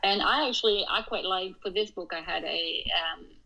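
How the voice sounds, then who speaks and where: A woman with a French accent at a moderate pace. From France. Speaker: author. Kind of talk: interview. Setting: podcast.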